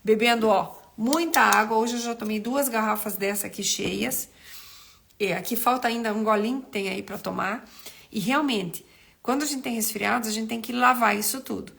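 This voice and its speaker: Speaking at a moderate pace, this middle-aged nutritionist chats on a casual live stream, greeting viewers by name and rambling with restarts while her throat stays rough from a cold she's recovering from. The voice sits fairly high, a bit bright with vocal fry, and a faint hiss or hum runs under it.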